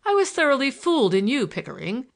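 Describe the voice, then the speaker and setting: A woman's voice: high-pitched, sing-song, fast talker, gravelly, pitched above the performer's own voice, exaggerated voice. A woman voicing a genial, sly old grandfather in an audiobook, teasing and grandly courteous. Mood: amused, pointed. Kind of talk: audiobook character dialogue.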